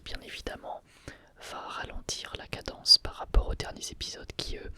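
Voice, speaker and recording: Man whispering an ASMR anime review. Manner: fully whispered, hesitant with frequent fillers. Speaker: anime reviewer hosting his channel.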